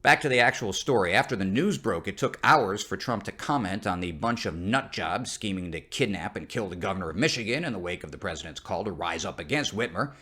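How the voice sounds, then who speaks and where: A man's voice: low-pitched, animated, a little fast, hardly any pauses, pushed and bright, breathy edge. A man delivering scripted comedic news commentary as the host of a satire show, in the manner of a parody news anchor.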